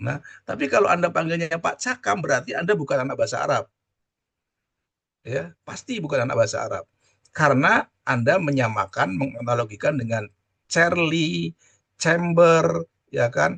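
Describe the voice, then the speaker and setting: Animated speech from a man at a moderate pace, with a dry, close sound and no echo. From Java, Indonesia. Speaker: university lecturer. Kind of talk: lecture. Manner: animated, repetitive questioning.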